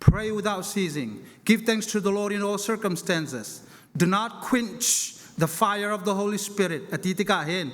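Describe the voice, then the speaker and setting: A man's voice: sits high, expressive, extremely slow, a bit bright. A man preaching a fervent sermon, emphatic and repetitive, drawing out key phrases, recorded in a large reverberant hall.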